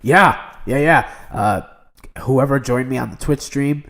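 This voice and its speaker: A man's voice: mid-range voice, a bit bright. A young man from New York City co-hosting a casual gaming podcast, chatting with lots of filler words and restarts. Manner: fast, loose talk with filler and restarts. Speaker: podcast co-host. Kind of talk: casual chat.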